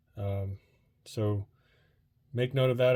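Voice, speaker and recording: Against a silent background in a very clean recording, a man speaks fairly slowly in a monotone, flat delivery with a dark, mellow, somewhat breathy tone. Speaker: music production youtuber. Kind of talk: tutorial. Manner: more monotone than usual.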